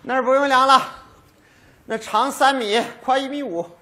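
A man's voice: extremely high pitch, moderate pace, noisy background. A man playing a stubborn, touchy old widowed father in a stage comedy sketch, grumbling and sarcastic. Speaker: sketch actor. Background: audience laughter.

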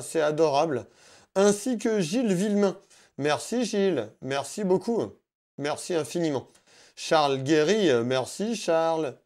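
A man's voice: fairly high pitch, a little mellow. A man giving a live-streamed guitar lesson, thanking viewers by name in a friendly way and explaining licks as he plays. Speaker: guitar teacher. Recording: faint guitar music behind. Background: electric guitar playing.

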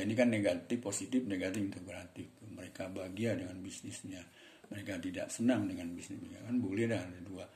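A man teaching English in a casual lesson. He reads example sentences slowly, explains them with chatty fillers, and acts out short dialogue parts in a raised voice. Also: deep voice, warm tone.

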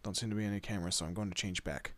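A man's voice: deep voice, fairly even intonation, rapid-fire, fairly bright tone, dry recording. A man playing a teasing, protective monster detective in a horror roleplay audio, talking casually to his human partner. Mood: amused, teasing. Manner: casual, teasing, muttered asides. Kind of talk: horror roleplay audio drama, addressing the listener.

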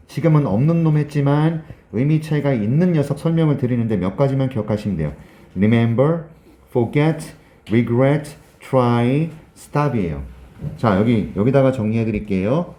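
Male teacher, lively classroom lecturer who banters and quizzes students; warm dark voice, roomy echo. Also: mid-range voice. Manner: jokey, teasing, quizzes students in casual speech. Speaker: English grammar teacher.

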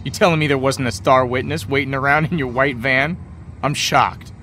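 An actor playing a smug, cynical white-collar convict in a video game, dry, sardonic and foul-mouthed. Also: male voice, mid-range voice, steady tone, normal speed, sharp tone, slight background noise, close to an everyday voice. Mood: dry sarcasm. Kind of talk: video game dialogue acting.

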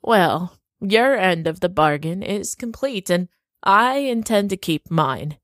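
An actress playing a genteel, coolly menacing woman in an audio drama, polite and measured with a veiled threat. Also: mid-range voice, animated, no echo, studio quality. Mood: veiled menace.

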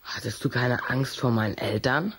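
A performer playing a shy, sulky young boy in a children's audio drama, hesitant and husky. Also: medium pitch, moderate pace, a bit bright. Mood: hesitant, uneasy. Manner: hesitant, reluctant.

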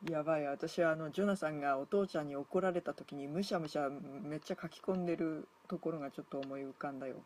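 Casual reader of an old war tale on a livestream, mid-pitched voice, breaks into chuckles and chatty comments to the chat. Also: fast, hardly any pauses, darkish tone, a little hiss or hum. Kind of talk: reading a classical tale aloud with chat asides.

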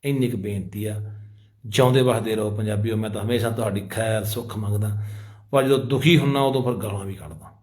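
A man's voice: fairly low pitch, steady tone, fairly quick, a little mellow. A man with a Punjabi accent making an impassioned, pleading public appeal as an activist, calling his listeners brothers.

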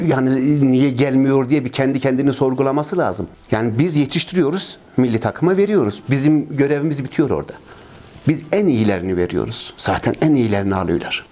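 A man's voice: mid-range voice, a little mellow. Earnest middle-aged man with lapel mic. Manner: earnest, complaining, with many fillers and repeated phrases. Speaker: ski club president. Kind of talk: interview answers. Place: office with trophies and flags, indoors.

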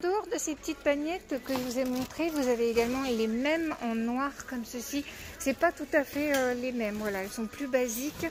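A woman's voice: high voice, fairly quick. A woman walking through a discount store and chatting enthusiastically about the items on the shelves, with lots of fillers along the way. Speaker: shopping vlogger. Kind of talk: casual store haul walkthrough.

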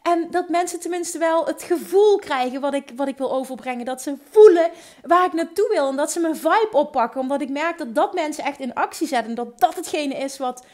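Woman, high voice, Limburg accent, podcast host, energetic, enthusiastic, quick restarts. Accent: Limburg Dutch. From Limburg, Netherlands. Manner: energetic, enthusiastic, talks fast with many restarts. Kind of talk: solo podcast monologue.

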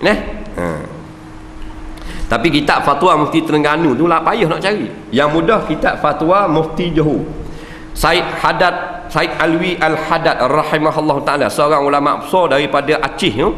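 A man's voice: fairly high pitch, moderate pace, a little hiss or hum. A man with a Malaysian Malay accent giving a religious lecture, joking and often checking with his listeners. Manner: lively, jokey, checks the audience with frequent 'ha', 'nah', 'nampak?'. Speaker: religious teacher. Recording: echoey hall with long reverb, faint ambience.

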